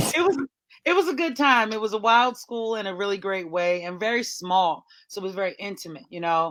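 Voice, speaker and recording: An animated woman's voice with an American accent, lively intonation, big swings in loudness and a fairly quick pace. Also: medium pitch for a woman. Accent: Baltimore accent trained out. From Baltimore, Maryland, US. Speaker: museum programming director and poet. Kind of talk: interview conversation. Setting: radio talk show. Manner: animated storytelling.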